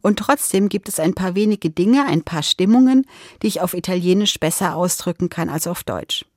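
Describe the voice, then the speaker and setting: Low-voiced woman giving a calm reflection. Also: moderate pace, dry recording, clean studio sound. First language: German. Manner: calm, thoughtful, personal. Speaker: radio devotional speaker. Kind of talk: scripted spiritual reflection.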